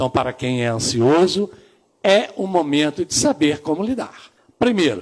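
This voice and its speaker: On a very clean recording with a silent background, a man with a Carioca accent speaks at a fairly slow pace, his fairly high pitch making very wide swings. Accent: carioca (Rio de Janeiro), unmistakable. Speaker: spiritist lecturer. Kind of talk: lecture. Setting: live stream.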